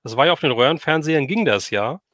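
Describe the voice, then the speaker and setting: Middle-aged male streamer, slightly high voice, dry close sound, relaxed conversational storytelling. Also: fast talker, no echo. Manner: reminiscing, conversational. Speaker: livestream host. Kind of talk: casual chat.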